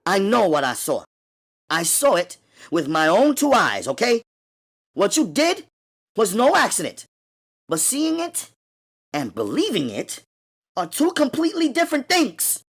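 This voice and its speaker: A man doing a brash high New woman. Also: huge pitch swings, a bit bright, breathy edge, heavily acted. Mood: frantic. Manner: brash, rapid-fire, indignant. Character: tough streetwise young New York woman. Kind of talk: audiobook character voice.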